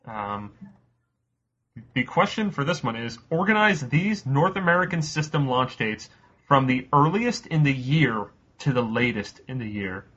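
A man's voice: medium pitch, expressive, unhurried, a bit bright, breathy edge, muffled recording. A man hosting a casual podcast quiz game, rambling through the rules with lots of fillers. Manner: rambling, many uh fillers, loose explaining. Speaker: quiz show host.

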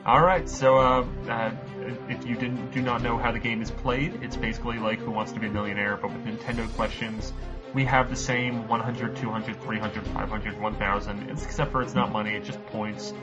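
A man's voice: medium pitch, fairly even intonation, a little fast, dull audio, over loud music. A man hosting a casual podcast quiz game, rambling through the rules with lots of fillers. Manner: rambling, many uh fillers, loose explaining. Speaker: quiz show host.

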